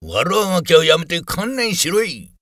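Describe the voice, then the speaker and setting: A man's voice: high-pitched, big pitch swings, normal speed, a bit bright, no room sound, clean studio sound, voice pushed up. A man playing a stern old-time samurai lawman in a period drama, declaiming commands at a villain. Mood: stern, commanding.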